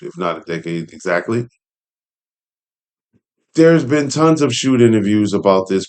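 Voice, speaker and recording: A man hosting a read-along commentary, speaking in a casual, conversational and emphatic way. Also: on the low side. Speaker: host reading an article aloud with commentary.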